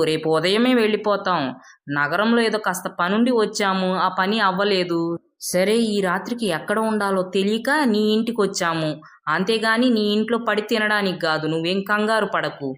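A woman's voice: medium pitch, normal speed, fairly bright tone, natural voice. A woman voicing a blunt older uncle in a storybook tale, plain-spoken, needling and sarcastic. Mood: blunt reassurance.

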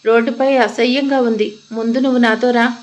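A woman voicing an anxious, protective young man in an audio storybook, talking in a hurried, urgent way. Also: a little high, steady tone, lightly acted. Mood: exasperated. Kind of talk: storybook narration with quoted dialogue.

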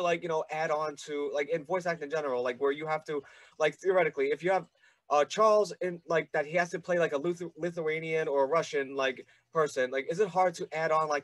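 Young man, podcast host, eager fan, rambling questions, slightly high voice, dry sound. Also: a bit bright, no echo. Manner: rambling, many fillers and restarts, eager fan. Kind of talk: casual interview questions.

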